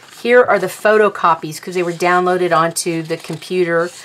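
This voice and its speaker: A woman at a moderate pace with ordinary pitch variation, light background noise behind her. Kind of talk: tutorial. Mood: frustrated but laughing. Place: home room.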